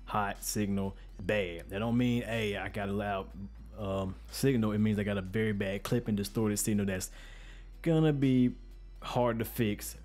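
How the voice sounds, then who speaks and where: A man with a deep, bassy voice hosting an informal, conversational tutorial in slangy everyday speech, recorded close on a studio microphone. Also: fairly even intonation, measured pace, darkish tone, soft background music. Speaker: music production tutorial host. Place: untreated home studio room with reflection filter. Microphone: studio microphone with pop filter, close up.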